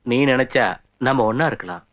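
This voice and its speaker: An actor playing a scheming uncle who is after the family wealth, coaxing and bossy in turns. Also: male voice, mid-range voice, brisk, a bit bright, lo-fi sound, close to an everyday voice. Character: grasping uncle plotting over family wealth. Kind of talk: film dialogue.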